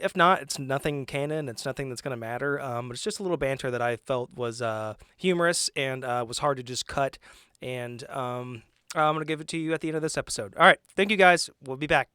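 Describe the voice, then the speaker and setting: A man co-hosting a podcast, talking in a relaxed, friendly way with lots of fillers. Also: medium pitch, smooth, no room sound, clean studio sound. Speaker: podcast co-host. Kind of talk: casual chat.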